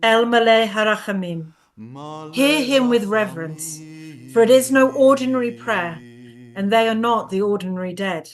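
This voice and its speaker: A woman playing a grave figure of the ghetto in a deliberate, declamatory theatrical style. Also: fairly high pitch, natural voice. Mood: reverent, solemn. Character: grave female narrator and weary ghetto tenant. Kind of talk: theatrical recitation in a stage play.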